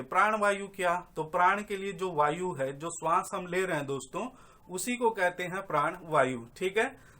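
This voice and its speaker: A man's voice: high voice, bright, forceful tone. A young man teaching an online grammar lesson, who asks and answers his own questions, repeats key terms and draws out sounds to demonstrate them. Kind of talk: online classroom lecture.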